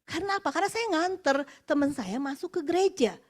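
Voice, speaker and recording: At an office worship meeting, a West Javanese woman in her forties delivers a personal testimony sermon in a high voice at a fairly quick pace. Her style is chatty and expressive, sprinkled with English phrases and laughter between points.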